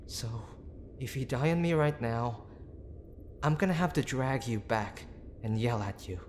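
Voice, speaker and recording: A man acting a gruff but tender young boyfriend who is desperately worried, speaking in a halting, pleading, intimate way for an audio roleplay. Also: medium pitch, darkish tone, a little hiss or hum, close to an everyday voice. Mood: tender, confessing. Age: young adult. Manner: halting, pleading, with sighs and breathy asides.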